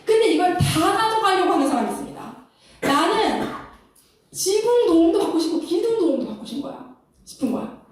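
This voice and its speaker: Animated high-voiced woman in echoey room. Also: brisk, distant mic. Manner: animated, laughs often, acts out couples' lines. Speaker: Christian counselor. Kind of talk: lecture-style talk.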